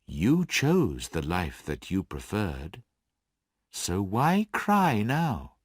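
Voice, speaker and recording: Stern ghost, calm questioning tone, slow, voiced by a man. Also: on the low side, breathy edge, dry recording, clean studio sound, heavily acted.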